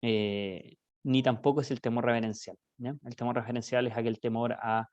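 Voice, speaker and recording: A man's voice: medium pitch, flat delivery, moderate pace, darkish tone, dry recording. Chilean guy lecturing law online, lots of eh and ya?, dry kinda muffled sound. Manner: explains with everyday examples, many "eh" fillers and "¿ya?" checks.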